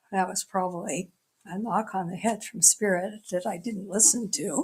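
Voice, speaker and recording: Her voice sits at a medium pitch and sounds somewhat breathy. The woman speaks at a moderate pace with ordinary pitch variation. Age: 70s. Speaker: minister. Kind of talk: sermon. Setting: church service, streamed live.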